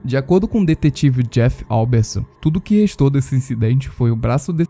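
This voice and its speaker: A man's voice: mid-range voice, animated, brisk, dark tone. A Brazilian man narrating scripted commentary on horror videos.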